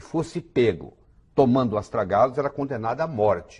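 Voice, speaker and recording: Marked by vocal fry, the voice swings very widely in pitch at a moderate pace. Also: man. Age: 60s. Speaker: physician. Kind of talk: interview.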